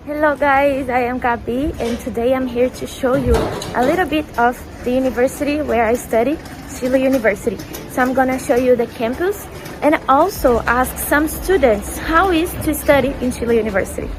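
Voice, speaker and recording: A woman's voice: high voice, a little fast, background noise. Chatty young woman giving a campus tour. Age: young adult. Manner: chatty, pointing things out as she walks. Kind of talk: casual vlog tour narration. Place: outdoors and indoors on a university campus. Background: background music.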